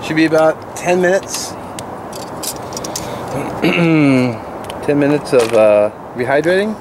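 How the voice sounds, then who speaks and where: A man's voice: fairly high pitch, takes it slowly, background noise. A middle-aged man chatting casually as he cooks on a campfire at a forest campsite, talking to a camera nearby as he moves around. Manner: relaxed, chatty, thinks aloud while cooking. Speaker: camping vlogger. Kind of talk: casual outdoor cooking vlog. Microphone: camera-mounted mic, speaker moving near and away.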